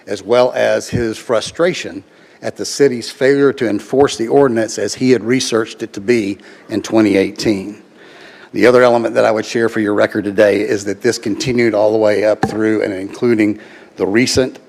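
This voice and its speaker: Man, low pitch, gravelly fry, formal public comment, measured lawyerly delivery. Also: darkish tone. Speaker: public commenter at a city meeting. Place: public meeting room, speaking at a microphone.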